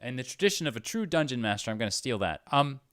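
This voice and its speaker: Animated man interviewing casually. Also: medium pitch, quick pace, dry recording, clean studio sound. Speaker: interviewer, podcast host.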